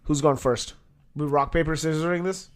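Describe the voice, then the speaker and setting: A man's voice: on the high side, fairly even intonation, moderate pace, a little hiss or hum. A man co-hosting a comedy podcast in a studio, teasing his friends and laughing often. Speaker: podcast co-host. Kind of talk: joking casual chat.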